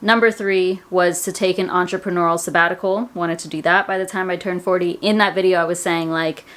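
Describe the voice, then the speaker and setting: A woman's voice: lowish voice, steady tone, fairly quick, a bit bright. A woman, chatting casually to her viewers about her personal finance goals, rambling with lots of "like"s. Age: 30s. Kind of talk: casual chat to camera.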